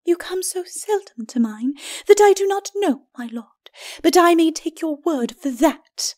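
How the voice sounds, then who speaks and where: A woman voicing a ghostly skeleton lady with a faint, distant, breathy voice and icy, scornful retorts. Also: very high-pitched, expressive, measured pace, a little mellow, voice pushed up.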